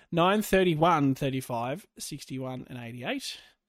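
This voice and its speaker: A man's fairly high voice with an Australian accent, on a very clean recording with a silent background. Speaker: podcast host. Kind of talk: casual chat.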